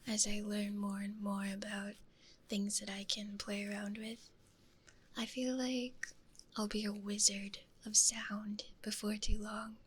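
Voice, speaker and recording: A woman streaming ASMR in a hushed, breathy whisper, speaking gently and intimately close into a stereo microphone. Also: medium pitch, flat delivery, a little slow, slight background noise.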